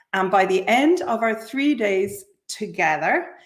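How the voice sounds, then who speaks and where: Audible room echo surrounds a woman who talks at a very slow pace. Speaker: eco printing teacher. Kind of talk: online workshop lecture. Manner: slow, deliberate.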